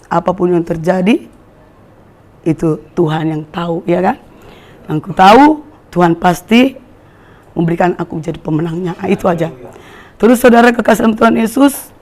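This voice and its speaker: A woman giving a testimony in a church service, animated, swinging from soft asides to loud exclamations and often checking with the congregation. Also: mid-range voice. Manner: animated, keeps asking the congregation "ya kan?". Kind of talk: testimony sermon.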